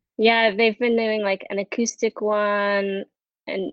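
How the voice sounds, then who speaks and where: Speaking in an American accent, a woman moves at a very slow pace with fairly even intonation. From Austin, Texas.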